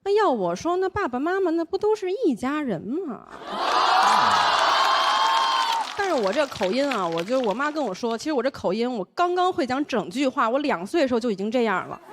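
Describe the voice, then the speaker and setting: A woman's voice: sits high, normal speed, a loud crowd, heavy background noise. A young woman from Taiwan who speaks with a Beijing accent, doing a playful stand-up comedy set. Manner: playful, animated storytelling with a drawling northern twang.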